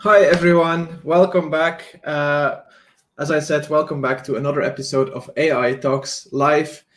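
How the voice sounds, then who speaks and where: A male host runs a live online talk show over a video call. His voice sits slightly high, and he talks in a friendly, loose, rambling way. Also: little pitch movement, measured pace, fairly bright tone, slight background noise. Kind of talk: casual interview chat.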